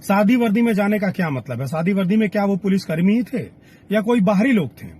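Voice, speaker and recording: A man's voice: sits high, lively intonation, fast, darkish tone, breathy edge. A man delivering spoken news commentary, argumentative and fond of rhetorical questions. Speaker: reporter and commentator.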